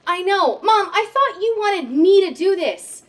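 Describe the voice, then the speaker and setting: A put-upon daughter with a high, lively voice. She is sarcastic and casual, drifting into wry asides, in a comedic audio drama. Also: a little slow. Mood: exasperated. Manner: sardonic, casual, hesitant asides. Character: exasperated, sarcastic daughter of a cook.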